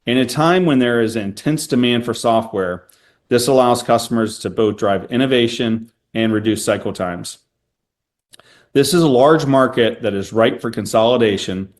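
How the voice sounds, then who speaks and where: Businesslike man presenting company results. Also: medium pitch. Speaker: company finance executive on an earnings call. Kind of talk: prepared corporate remarks and answers to analysts.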